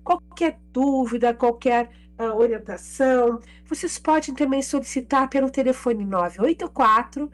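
A woman pharmacist with a hoarse throat, giving health tips on a radio segment in an explanatory way. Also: high voice, a little slow, few pauses. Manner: explanatory, lists products and phone numbers.

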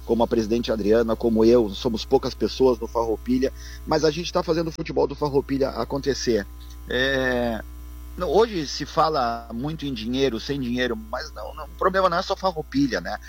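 A man's voice: medium pitch, a little fast, slightly rough, faint music behind. A man, calling in to a radio interview on speakerphone. He speaks earnestly and repeats himself, often turning back to the host. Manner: earnest, repetitive, keeps addressing the host. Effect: on speakerphone over a phone line. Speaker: football club vice-president calling in.

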